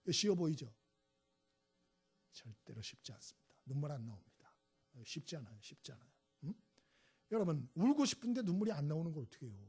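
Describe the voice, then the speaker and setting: A man's voice: high voice, a little mellow, slightly rough. A male pastor preaching a sermon, telling stories and prodding the congregation with short questions. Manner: storytelling, prods the congregation with "예?" and "음?".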